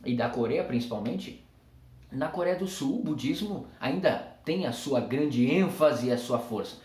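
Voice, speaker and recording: A man's voice: medium pitch, a little mellow, reverberant. A Brazilian man with a Brazilian Portuguese accent, a Christian speaker giving an earnest, emphatic tribute talk to camera in a preacher's repeating cadence.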